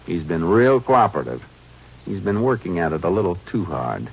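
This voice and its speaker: Shrewd male lawman lead, deep bass, measured folksy delivery, dull vintage radio sound. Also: sing-song, breathy edge, heavily acted. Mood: probing, thoughtful. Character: steady, shrewd Texas Ranger lawman, grown man. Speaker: radio drama lead actor and narrator. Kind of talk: 1950s radio western acting and narration. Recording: muffled, noisy old radio recording.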